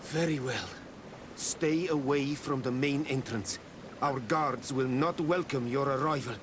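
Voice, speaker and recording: A man's voice: medium pitch, unhurried, natural voice. A man playing a wary, defiant native tribal warrior in a video game, terse and solemn with formal diction. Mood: wary, grudging. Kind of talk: video game cutscene acting. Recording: clear ambient noise behind.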